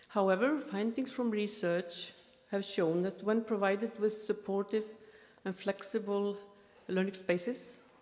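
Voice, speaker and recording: At a fairly slow pace, a woman with an Icelandic accent talks at medium pitch with fairly even intonation. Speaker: researcher, keynote speaker. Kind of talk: conference keynote lecture. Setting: conference stage with audience. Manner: hesitant with fillers.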